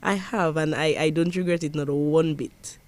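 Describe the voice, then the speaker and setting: A woman's voice: sits low, steady tone, moderate pace, a little mellow. A young woman from Dominica with a Dominican accent, a parliamentary secretary answering interview questions in an earnest, emphatic way with frequent restarts. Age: young adult.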